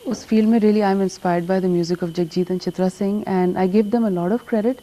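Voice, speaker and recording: A woman's voice: mid-range voice, steady tone, fast talker, dark tone, low-quality recording. A woman from Pakistan, a native Urdu speaker, answering interview questions on television and mixing English with Urdu. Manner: switches between English and Urdu mid-sentence. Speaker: guest artist.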